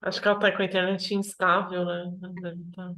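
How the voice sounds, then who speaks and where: A tired woman chatting casually on a video call, giving short relaxed replies. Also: lowish voice, fast talker, low-quality recording. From São Paulo, Brazil.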